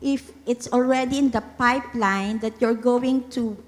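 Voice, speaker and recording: A woman's voice: on the high side, fairly even intonation, moderate pace. A woman in the audience asking a long, rambling question at a conference. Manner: rambling, searching for words. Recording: echoey hall with faint music.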